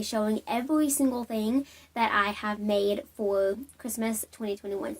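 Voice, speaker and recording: A woman's voice: fairly high pitch, a little mellow. Bubbly, chatty young woman. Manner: bubbly, chatty, many "um"s and tangents. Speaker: knitting podcast host. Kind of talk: casual chat to camera. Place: at home.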